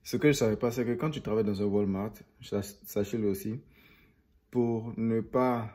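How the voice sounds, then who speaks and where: A man's voice: lowish voice, moderate pace, dark tone. A young man chatting casually to viewers as a vlogger, rambling and repeating phrases for emphasis. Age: young adult.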